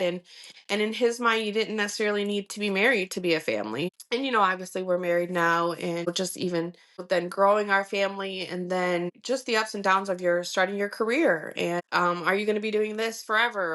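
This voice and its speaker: A woman's voice: medium pitch, a bit bright. A woman in her forties talking through family life as a podcast guest, reflective and full of fillers. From Michigan. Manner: reflective, many fillers like um and you know. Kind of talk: casual interview conversation.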